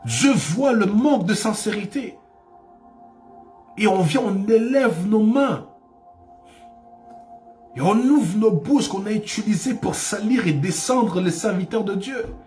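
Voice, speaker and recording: A man's voice: high voice, lively intonation, slow pace, pauses often, a little mellow, faint music behind. A man preaching a sermon as pastor, with impassioned delivery that rises to cries and repeats phrases for emphasis.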